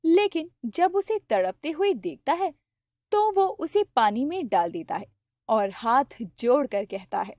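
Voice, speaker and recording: A woman narrating a cartoon story with a steady, even storytelling delivery. Her voice is on the higher side for a woman. It is recorded very dry and close, with no room sound at all. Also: measured pace, no room sound. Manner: steady, plain telling.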